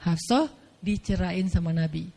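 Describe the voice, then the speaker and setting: A man preaching in a relaxed, conversational way, retelling a story with slang and acted quotes. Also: high-pitched, measured pace, vocal fry. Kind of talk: casual storytelling sermon.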